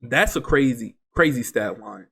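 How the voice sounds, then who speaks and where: A man's voice: mid-range voice, a little slow, vocal fry, husky. A congested man getting over an illness, casually commenting on a basketball video game simulation and rattling off player stats. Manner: reels off stats, chatty and excitable. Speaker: gaming channel host.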